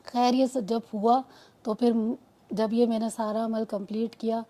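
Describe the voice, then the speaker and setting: Speaking in a level, mellow voice that leans high, a mother of two earnestly relates her personal testimony. Her telling rambles, restarts many times, and is full of quoted dialogue.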